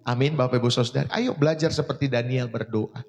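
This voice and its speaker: Indonesian pastor preaching in a reverberant hall. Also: male voice, fast talker, a little mellow. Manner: preaching with sudden high bursts of emphasis. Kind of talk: sermon. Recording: long hall reverb with faint music.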